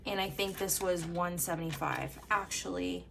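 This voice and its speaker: Chatty woman counting cash, a bit hoarse. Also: on the low side, moderate pace, a little hiss or hum. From Canada. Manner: chatty, counts bills aloud in steady rhythm. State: slightly hoarse from a coming cold. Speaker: budgeting vlogger. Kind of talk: casual narration while counting cash.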